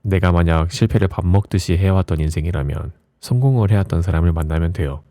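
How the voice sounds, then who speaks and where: A man with a low voice reads reflective essays as an audiobook narrator, in a soft ASMR style with a gentle, soothing bedtime delivery. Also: quick pace, no echo, clean studio sound. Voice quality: low, mellow voice.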